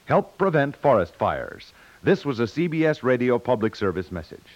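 A man's voice: medium pitch, very animated, moderate pace. A man with an American accent reading scripted announcements as a 1950s radio announcer, on a dull old recording.

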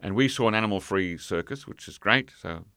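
A man telling a travel story in an interview, halting, full of fillers and restarts. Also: on the low side, sharp tone, clear, resonant tone, dry recording, studio quality. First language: English. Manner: hesitant, many fillers and restarts. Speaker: guest. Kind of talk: conversational storytelling.

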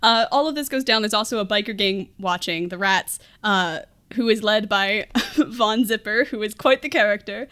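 A woman's voice: medium pitch, normal speed, pushed and bright, smooth. A woman hosting a podcast in casual, comic film discussion, playful and mock-serious, often laughing as she talks. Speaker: podcast host.

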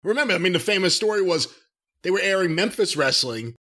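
A man's voice: sits high, animated, quick pace, bright, forceful tone. A man co-hosting a wrestling podcast, factual and reading details from his notes. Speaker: podcast co-host. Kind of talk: casual wrestling podcast chat.

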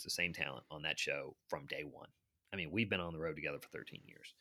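A middle-aged man telling stories in a casual interview, animated and laughing often. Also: low-pitched. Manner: animated, laughs often, acts out quoted voices. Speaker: TV producer and guest.

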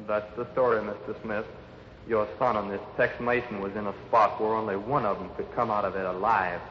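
Grim, echoing messenger. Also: male voice, lowish voice, fairly even intonation, a little fast, a little hiss or hum. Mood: grim, haunting. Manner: blunt, repetitive, ominous. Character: grim bearer of death news, echoing in memory. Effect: cavernous flashback echo. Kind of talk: 1950s radio drama acting. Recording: echoing, muffled old radio recording.

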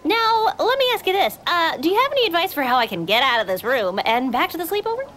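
A woman's voice: very high voice, quick pace, slight background noise, exaggerated voice. Waffles, woman doing a hyper, scheming pet dog. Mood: excited. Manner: excitable, dramatic, to-camera asides. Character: scheming, popcorn-crazed female pet dog.

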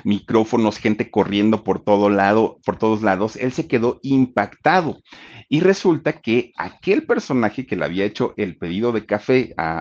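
A man's voice: medium pitch, a little mellow. A man telling a life story in a casual, chatty way, speaking straight to his listeners. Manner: chatty, addresses the listeners directly, many fillers. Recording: dull lo-fi sound.

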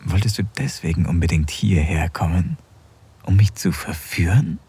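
An actor playing an affectionate married man in an intimate audio drama, speaking softly and close to a whisper. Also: low voice, normal speed, husky, exaggerated voice. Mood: tender. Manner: soft, intimate, often near a whisper. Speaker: husband in an erotic audio drama.

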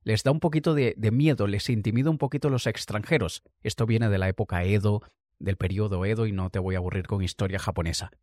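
A man's voice: lowish voice, fast, darkish tone, no room sound, studio quality. A man giving a conversational, reflective motivational talk and drawing on personal examples. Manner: occasional light laughs. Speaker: motivational speaker. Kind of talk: motivational monologue.

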